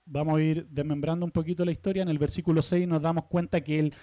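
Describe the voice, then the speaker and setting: Speaking quickly in a high, warm voice with little pitch movement, a male pastor preaches a sermon in a church sanctuary. His delivery is conversational, broken by questions to the congregation and casual asides. The audio sounds dull but dry and close, with barely any reverb.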